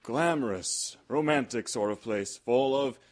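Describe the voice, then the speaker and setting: Chummy male radio announcer, medium pitch. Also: a little slow. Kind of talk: scripted old-time radio host banter and sponsor reading.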